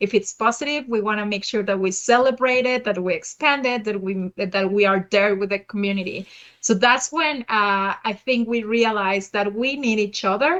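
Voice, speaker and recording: A woman with a Spanish accent speaks at a moderate pace with hardly any pauses, in a fairly high pitch with ordinary pitch variation. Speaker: trust and safety manager. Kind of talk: casual interview.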